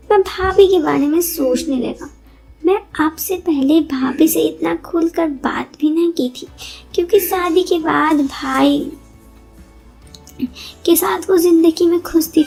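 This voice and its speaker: A woman's voice: high voice, vocal fry, warm tone, rough recording. A woman narrating a first-person story intimately, often dropping into a whisper.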